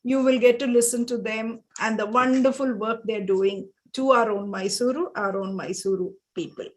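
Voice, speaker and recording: A woman with an Indian accent and a slightly high voice speaks as a book club organiser. She gives an informal vote of thanks. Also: fairly even intonation, moderate pace, low-quality recording.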